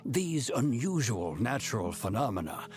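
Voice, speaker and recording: A man playing a courteous, caring village chief in a video game, polite and measured. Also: mid-range voice, big pitch swings, darkish tone, lightly acted. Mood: concerned. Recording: faint music behind the voice.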